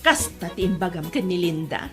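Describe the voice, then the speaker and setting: Woman playing a gentle, stubborn mother with an Ilocano accent. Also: on the low side, expressive, normal speed, over loud music, close to an everyday voice. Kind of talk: scripted drama acting.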